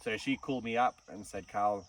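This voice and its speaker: A man's voice: lowish voice, a little fast. A man from Kenya, a snake farm curator, telling his story in a casual interview with frequent ums. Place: outdoors in the bush. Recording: distant mic with faint insect noise.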